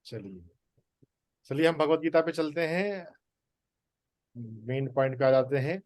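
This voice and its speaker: A man teaching the Gita in a spoken talk, slow and deliberate with emphatic pauses. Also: on the high side, a little mellow, no room sound, clean studio sound.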